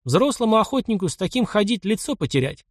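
A man's voice: high voice, big pitch swings, quick pace, no echo, studio quality, voice pushed up, full character voice. A man voicing a seasoned taiga hunter who talks bluntly in simple phrases.

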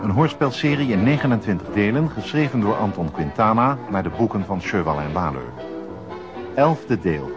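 A man reads scripted radio drama titles as an announcer. His low voice moves a lot in pitch over prominent plucked-string music, and the sound is dull and lo-fi. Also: very animated, moderate pace.

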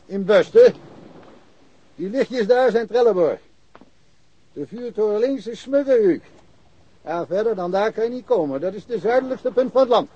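An actor playing an easygoing, good-humoured small-town policeman, jovial and unhurried, in a naturalistic radio drama. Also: high-pitched, lively intonation, mellow, slightly rough, muffled recording. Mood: matter-of-fact.

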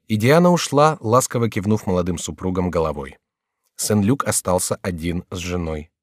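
A man giving a measured, scripted audiobook narration of a classic novel. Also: low-pitched, animated, no room sound, clean studio sound.

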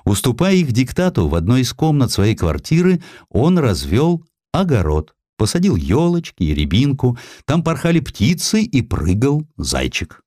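A man narrating a historical audiobook with theatrical, measured storytelling. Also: mid-range voice, huge pitch swings, warm tone, no room sound, studio quality. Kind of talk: expressive scripted historical narration.

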